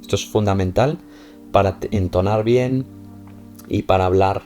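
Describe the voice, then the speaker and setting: A very deep-voiced man explains his teaching method. He demonstrates pronunciation drills aloud, repeating the sounds over faint background music. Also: moderate pace, darkish tone. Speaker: language teacher.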